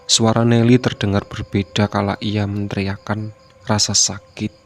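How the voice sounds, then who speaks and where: A man narrating a horror story as a scripted reading, with a steady, even delivery. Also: on the low side, normal speed, faint music behind.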